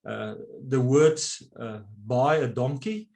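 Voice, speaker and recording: A man with a South African accent whose first language is Afrikaans, speaking over a video call at a middling pitch. He talks in halting stretches, full of fillers and restarts, as he closes a talk and moves into questions. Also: vocal fry, darkish tone. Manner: hesitant, lots of fillers and restarts. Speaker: conservation scientist giving a talk. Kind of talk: closing remarks and Q&A answer.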